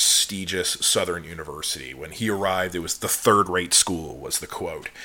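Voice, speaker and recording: A man's fairly low voice, bright and sharp in tone, at a moderate pace. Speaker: sports podcast host. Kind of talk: solo podcast monologue. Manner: rambling, filler-heavy.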